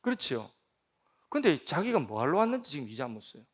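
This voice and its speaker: A man's voice: fairly high pitch, very animated, a little fast, husky. A man, a senior pastor, preaching a sermon at a church prayer meeting with emphatic delivery and frequent rhetorical questions to the congregation. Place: church sanctuary.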